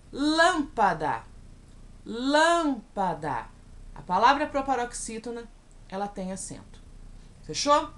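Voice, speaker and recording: In a recorded video lesson, a woman with a Brazilian Portuguese accent slowly spells out example words and frequently checks in with her students by asking "tá bom?". Her voice is on the high side with a fairly bright tone.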